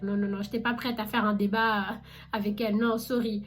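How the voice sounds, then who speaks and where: A young woman recounting a story in a casual vlog, chatty and animated, talking straight to her viewers. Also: mid-range voice, brisk. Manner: chatty and animated, addresses viewers directly with many fillers. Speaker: vlogger recounting her job as a shop saleswoman.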